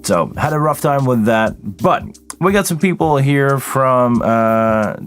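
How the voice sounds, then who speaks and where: A tired man from Quebec, Canada, his voice deeper than usual this morning, hosts a casual livestream Q&A and chats with viewers by name. He's a live sound engineer speaking at medium pitch with lively intonation, a slow pace and a fairly bright tone, with faint music behind.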